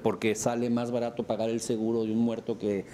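A Mexican man with a mid-range voice addresses a live audience as a therapist. His delivery is animated and theatrical, with sudden high leaps in pitch as he acts out everyday examples. A faint hum sits under his voice. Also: fairly quick. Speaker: therapist giving a talk.

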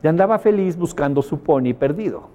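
A man with a Mexican accent gives a lively motivational talk, his voice sitting a bit high. He tells stories with acted-out asides and often turns to ask the audience questions. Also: fairly quick, a little hiss or hum. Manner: animated storyteller, asks the audience questions. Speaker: motivational speaker.

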